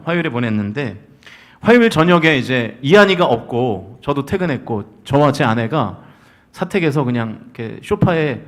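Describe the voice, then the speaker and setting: A man in his forties preaching a Sunday sermon as senior pastor in a church sanctuary, swinging between loud emphatic calls and soft storytelling. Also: mid-range voice.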